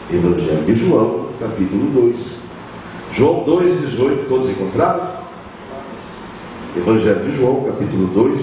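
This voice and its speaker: A man's voice: mid-range voice, mellow, slight background noise. A man pastor preaching a sermon with a Brazilian Portuguese accent, often acting out biblical figures. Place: church hall. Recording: echoey church hall, far mic, dull.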